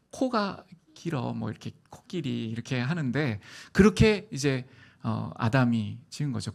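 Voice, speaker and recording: A man preaching a sermon as pastor, telling stories with animated, acted-out voices. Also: on the high side, vocal fry. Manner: animated storytelling, acting out voices. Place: church sanctuary.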